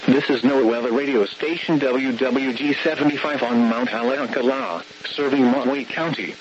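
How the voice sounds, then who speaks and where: A man reading a scripted forecast in a stilted, impersonal weather radio voice, like an automated announcer, over a radio broadcast. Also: medium pitch. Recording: hissy, dull radio broadcast.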